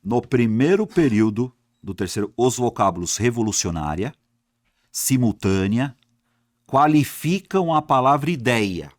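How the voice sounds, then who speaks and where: During an exam-prep grammar lesson, a man speaks straight to his students with energy, quizzing himself aloud and supplying the answers. His medium-pitched voice moves a little slowly, in a dry recording with clean studio sound.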